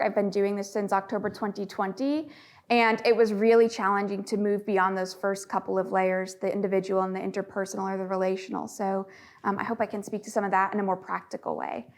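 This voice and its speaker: A woman leading a conference session, explaining prevention concepts in a friendly, measured way with frequent ums, speaking into a microphone in a conference room. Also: mid-range voice. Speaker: workshop facilitator.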